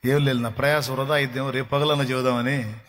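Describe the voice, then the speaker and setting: A man preaching a sermon with a coastal Andhra Telugu accent. He talks in animated bursts and acts out back-and-forth dialogue with God. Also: medium pitch, fast talker. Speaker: pastor. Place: church hall.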